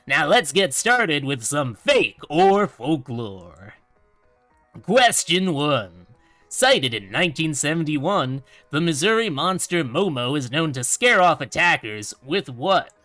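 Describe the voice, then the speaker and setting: A man's voice: fairly high pitch, very animated, sharp tone, dry recording, soft background music, exaggerated voice. A man voicing a sinister undead game show host in a visual novel game, showy and gleefully menacing. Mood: smooth menace. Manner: showy, drawn-out presenter delivery. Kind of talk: theatrical game show hosting.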